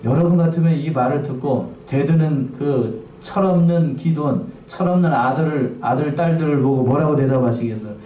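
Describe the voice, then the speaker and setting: A man's voice: fairly high pitch, normal speed, hardly any pauses, dark tone. Man, pastor, sermon, repeats phrases, asks the pews questions, distant mic, roomy church, faint hiss. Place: church sanctuary.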